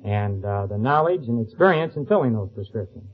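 A man's voice: mid-range voice, expressive, a little fast, soft background music. Plain-spoken man, dull radio sound. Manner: plain, matter-of-fact. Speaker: druggist, quiz show contestant. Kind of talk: answering questions on a radio quiz. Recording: dull old radio recording.

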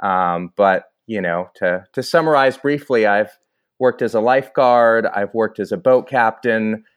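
A man from New England, a guest on a podcast, talking in a measured, easygoing way with many "you knows". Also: on the low side, clear, resonant tone. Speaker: environmental director, guest. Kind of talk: casual podcast interview.

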